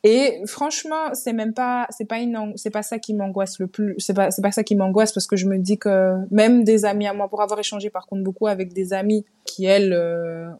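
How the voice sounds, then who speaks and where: A woman's voice: mid-range voice, fairly even intonation, moderate pace, few pauses, mellow. Reflective young woman, podcast guest. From Belgium. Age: young adult. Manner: reflective, searching for words. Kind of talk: casual podcast conversation.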